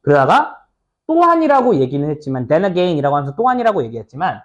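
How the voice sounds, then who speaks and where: Guy teacher going over english exam stuff, kinda high voice, really bouncy up and down, chatty. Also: sing-song, fairly quick, lo-fi sound. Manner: chatty, asks students "right?" often, acts out little skits. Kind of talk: lecture explaining an exam passage.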